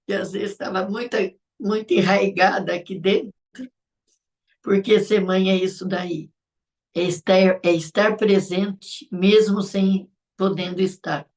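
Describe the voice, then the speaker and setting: A middle-aged woman with a Brazilian Portuguese accent, hosting a live show and speaking in a heartfelt, reflective way with soft laughs. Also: medium pitch, vocal fry, recorded from a distance. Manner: emotional, reflective, laughing softly between thoughts. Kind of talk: heartfelt live-stream talk.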